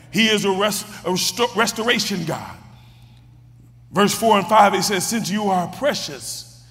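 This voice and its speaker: A preacher with a strikingly high voice delivers a sermon, stumbling over and repeating words as he builds toward shouts. His voice rings out with a long echo, as in a large hall. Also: gravelly.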